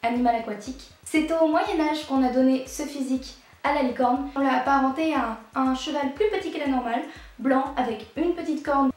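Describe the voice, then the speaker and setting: High, playful woman explaining in an echoey room. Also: darkish tone. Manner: chatty, playful, quick asides to the viewer. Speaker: YouTube educator.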